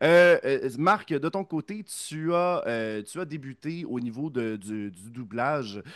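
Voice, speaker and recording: Against a quiet background, a man with a Quebec accent speaks with very wide pitch swings. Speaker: podcast host. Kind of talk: interview.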